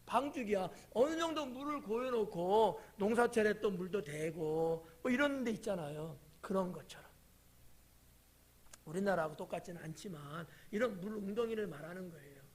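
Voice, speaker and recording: A male pastor, preaching a casual Wednesday sermon. He keeps asking the congregation questions, then sinks to a whisper or jumps to a shout. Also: sits high, lively intonation, normal speed, husky. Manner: chatty, quizzes the congregation by title; drops to whispers and rises to sudden shouts. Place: church sanctuary.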